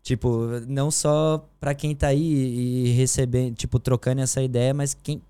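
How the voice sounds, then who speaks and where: A man's voice: mid-range voice, normal speed, clear, resonant tone, no echo. A Brazilian man, a painter, chatting casually and slangily in an interview on a studio mic. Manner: relaxed, slangy, rambling. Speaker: guest painter.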